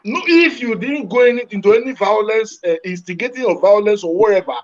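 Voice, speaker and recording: A man's voice: sits high, fairly quick. A man arguing insistently on a call, lecturing the others. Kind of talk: heated argument. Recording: dull lo-fi call audio.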